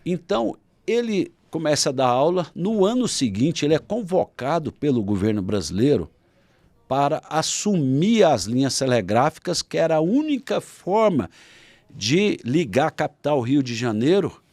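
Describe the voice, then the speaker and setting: A man with a Brazilian Portuguese accent, a guest author, telling a historical story in a podcast interview and acting out shouted quotes. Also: fairly high pitch, sing-song, normal speed, no echo.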